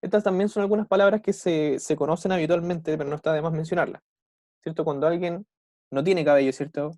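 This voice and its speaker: A young man with a Chilean Spanish accent teaches English vocabulary over a video call. His voice sits a little high, and the sound is close and dry. He slows carefully on each English example. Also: steady tone, darkish tone, no room sound. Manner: keeps checking in with "¿cierto?" and "¿ya?"; slows right down to model English phrases. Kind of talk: online class explaining vocabulary.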